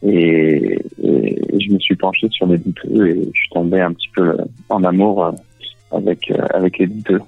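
A man's voice: deep voice, moderate pace, creaky, husky, dry recording. A man with an accent from France, a guest in a casual phone interview, talking hesitantly as he searches for words. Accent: French from France. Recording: dull band-limited phone line, faint music. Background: faint music.

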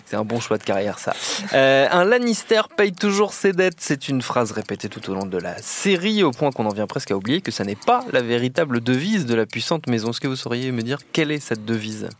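A man's voice: medium pitch, fast, hardly any pauses. Upbeat man hosting a quiz. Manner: lively, teasing, laughs often. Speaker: host. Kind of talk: casual panel chat, quiz host.

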